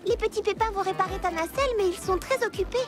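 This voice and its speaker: A sweet little girl in a children's cartoon. The voice is extremely high and childlike, with a polite, patient, slightly hesitant delivery. Music is clearly heard behind the dialogue. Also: quick pace. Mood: friendly. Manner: tactful, gentle, hesitant. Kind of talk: dubbed children's cartoon acting.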